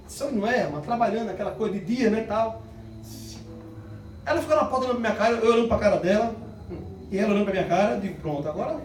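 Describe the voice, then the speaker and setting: A man preaching a sermon, telling a story with animated bursts of shouting and singing. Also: sits high, racing, a little hiss or hum. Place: church. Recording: echoey church hall miked from a distance.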